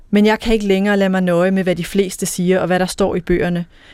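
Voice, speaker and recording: Her tone dark and mellow, a woman talks at a fairly quick pace in a monotone, flat intonation on a very clean recording with a silent background. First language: not Danish (speaking Danish). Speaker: politician. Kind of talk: interview. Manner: halting, many fillers.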